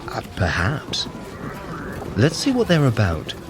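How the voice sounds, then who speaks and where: A sly trickster god. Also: male voice, mid-range voice, takes it slowly, background noise. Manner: wry, lively, commanding. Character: sly male trickster god, scheming and mocking. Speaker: Loki. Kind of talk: audio drama acting.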